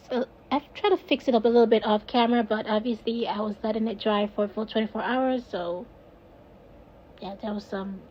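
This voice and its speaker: A woman's voice: medium pitch, darkish tone, lo-fi sound, slight background noise. A woman with a Jamaican accent casually narrating her own craft video, rambling and laughing at herself. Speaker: resin crafter, video host.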